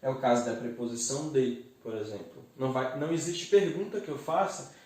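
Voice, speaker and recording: A man's voice: mid-range voice, brisk, darkish tone. A male teacher explaining a grammar lesson step by step and often checking in with his students. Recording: echoey room, mic set far off.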